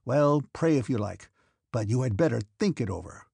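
Man voicing an old prince, irascible, domineering, raised and shouting, pitched well above the reader's own voice, gravelly, dry audiobook sound. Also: sing-song, normal speed, no echo, exaggerated voice. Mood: angry shouting. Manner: shouting, sharp and scornful. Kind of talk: audiobook character reading.

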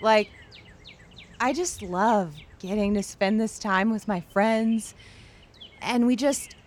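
A woman's voice: mid-range voice, close to an everyday voice. A woman playing a shy, sincere young church camper who talks hesitantly and naturally in an audio drama. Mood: nervous, sincere. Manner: hesitant, many pauses.

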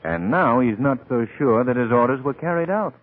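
An actor playing a suave, wry gentleman sleuth in an old-time radio drama, urbane and drily ironic, on a tinny old recording. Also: mid-range voice, animated, normal speed, natural voice. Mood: wry, scheming.

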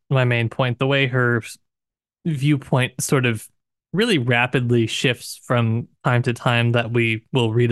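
Halting, wry man in dry close sound. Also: medium pitch, no echo. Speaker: podcast co-host. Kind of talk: casual book chat.

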